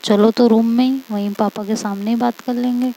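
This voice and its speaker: A woman's voice: a little high, fairly even intonation, normal speed, warm tone, lightly acted. A woman voicing a middle-aged mother in a story who asks pointed, surprised questions. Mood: questioning.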